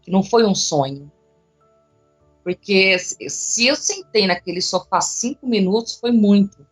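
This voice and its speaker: A young woman tells her own story in an interview, emotional and animated, with casual slang. Her voice sits at a middle pitch. Soft music plays faintly behind her. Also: measured pace, slightly rough. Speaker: interviewee, psychic.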